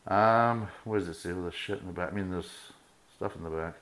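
A man's voice: sits low, fairly quick, fairly bright tone. A middle-aged Scottish man hosting a beer review podcast, chatty and swearing freely as he talks. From Scotland. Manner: chatty, swears freely, laughs at own jokes. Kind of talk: casual chat.

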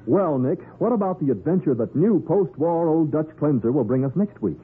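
A man's voice: a little high, lively intonation, moderate pace. A man announcing a 1940s radio drama in a dramatic, polished scripted style. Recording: narrow-band old radio recording with music.

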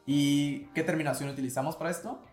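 A man's voice: fairly high pitch, steady tone, fast, a little mellow, faint music behind. Echoey male Spanish-speaking language teacher. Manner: explains patiently, prompts co-host with questions. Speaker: podcast co-host, Korean teacher. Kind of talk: casual language lesson.

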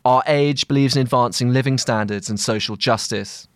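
A journalist with a mid-range, medium-pitched voice narrates his own long-read article, a long-form journalistic essay. His delivery is measured and deliberate like scripted narration, and the recording is dry with little trace of the room.

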